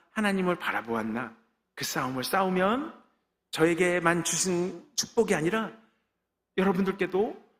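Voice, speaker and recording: A middle-aged man delivers a testimony sermon with a fairly high voice, driving each point home and sealing it with an amen. The church sanctuary around him rings with a long reverb. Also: fairly bright tone. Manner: emphatic preaching with frequent amens and call-and-response. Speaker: pastor giving testimony.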